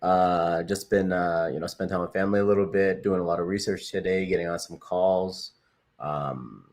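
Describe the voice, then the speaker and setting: Deep-voiced Canadian man rambling on a livestream. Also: fairly even intonation, moderate pace, a little mellow. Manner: rambling, upbeat, repeats phrases, frequent fillers. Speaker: crypto livestream host. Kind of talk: casual livestream chat reading viewer comments.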